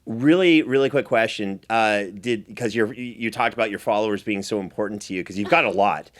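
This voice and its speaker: A man's voice: lowish voice, a little fast. A man hosting a recap interview as a producer, speaking in an enthusiastic, emphatic way. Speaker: host and producer.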